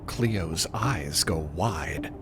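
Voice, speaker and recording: A man narrating a scripted story in an expressive, theatrical way. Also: low-pitched, drawn-out words, music in the background.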